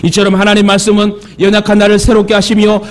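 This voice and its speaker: With soft music in the background, a Jeolla-accented pastor preaches fast in a high, monotone voice. The pastor, from Korea's Jeolla region, jokes and calls for amens in the church sanctuary.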